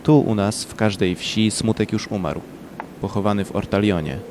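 A man's voice: on the low side, normal speed, a little hiss or hum. A man reciting scripted poetry for an audio drama, with music behind him. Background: loud music.

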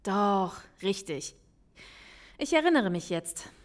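Woman acting lady police lieutenant in a radio crime play, reassuring and informal, medium pitched voice. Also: big pitch swings, slow pace. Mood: conversational. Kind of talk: audio drama dialogue.

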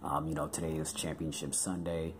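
A hoarse man from the United States talking casually as a tech reviewer, chatty and full of fillers. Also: extremely low pitch, flat delivery, a little fast, background noise.

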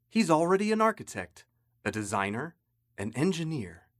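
A man playing a proud, earnest parent in a measured, sincere commercial testimonial. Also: medium pitch, fairly bright tone. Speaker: voice actor.

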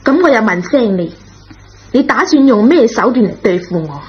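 A woman playing a forgiving, gently reproving schoolteacher in a Cantonese radio drama, with a husky, rough voice. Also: on the high side, animated, moderate pace. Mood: wry, probing. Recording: dull lo-fi old radio recording.

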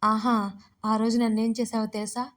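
A woman's voice: a little high, little pitch movement, moderate pace, lightly acted. A woman narrator voicing a cheeky young man who likes to tease, in an audio story. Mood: teasing. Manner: playful.

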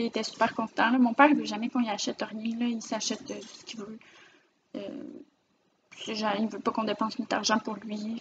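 A woman with a Quebec French accent records a casual show-and-tell vlog on her camera, chatting and rambling affectionately about her finished knitting projects. The recording sounds muffled, and her slightly high voice has some vocal fry.

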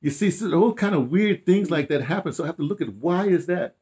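A slightly high, a little mellow voice belongs to an American man of sixty or older, an audio dramatist giving an interview indoors in a small room at home. He talks quickly with lively intonation, rambling reflectively through stories with emphasis, false starts and repeated phrases.

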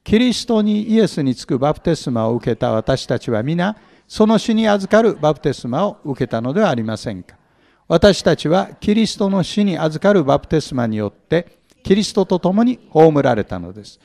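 A man's voice: fairly high pitch, big pitch swings, moderate pace, darkish tone, dry recording. A male pastor teaching from the Bible, often asking his audience questions, stressing words with force and acting out small humorous scenes. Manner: humorous, acts out little scenes.

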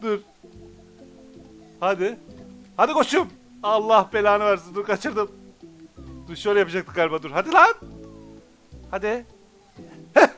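A man giving let's play commentary, excitable and often frustrated and cursing. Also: high voice, normal speed, pauses often. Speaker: gamer. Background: game music.

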